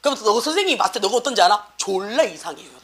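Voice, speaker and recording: A woman's voice: a little high, animated, rapid-fire, fairly bright tone. A middle-aged woman with a Gyeongsang accent, an academy teacher lecturing and scolding students in a blunt, slangy way. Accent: Gyeongsang Korean.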